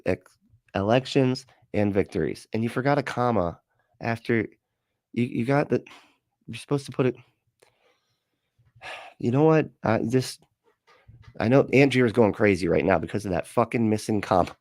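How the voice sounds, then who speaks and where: Sarcastic man with a low voice. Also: darkish tone, dry recording, studio quality. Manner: sarcastic, laughs often. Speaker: host. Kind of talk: casual commentary reacting to a clip.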